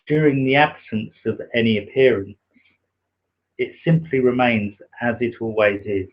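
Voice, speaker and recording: A soft-spoken man with a naturally quiet voice, hosting a livestream and slowly reading a spiritual text, with many pauses and fillers. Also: medium pitch. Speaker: livestream host reading aloud. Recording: dull lo-fi livestream audio.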